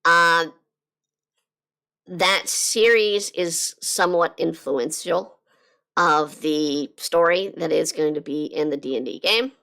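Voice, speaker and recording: A woman chatting casually on a live drawing stream, her voice slightly hoarse from being sick, rambling with lots of fillers and restarts. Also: low voice, slow pace, bright, forceful tone. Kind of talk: casual chat while drawing.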